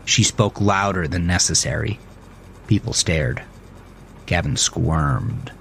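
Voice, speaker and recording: A man's voice: low voice, slow pace, gravelly, fairly bright tone, a little hiss or hum. A man narrating a scripted thriller story as the storyteller.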